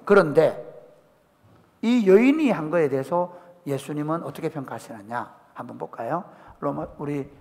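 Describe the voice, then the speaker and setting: A middle-aged man with a Gyeongsang Korean accent preaches in a church hall, telling stories with humor and acting out people's voices. His voice sits high and moves a lot in pitch. Long reverb from the sanctuary trails behind every phrase. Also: fairly bright tone. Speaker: pastor. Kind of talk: lively sermon.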